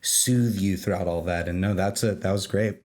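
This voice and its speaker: A man's voice: deep voice, normal speed, darkish tone. A man on a podcast panel, rambling loosely and murmuring agreement in a casual roundtable discussion.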